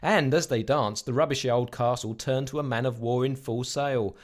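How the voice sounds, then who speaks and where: Man playing a hearty young sailor-tale teller, mid-pitched, storybook reading. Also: steady tone, moderate pace, lightly acted. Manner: hearty, blustering nautical storytelling.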